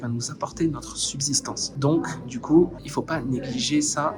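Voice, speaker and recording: Soft-spoken and fairly slow, a man with a fairly high pitch is heard with audible room echo and noticeable background noise. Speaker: vlogger, online entrepreneur. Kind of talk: video diary vlog. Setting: inside a mosque at night. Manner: soft-spoken, quiet.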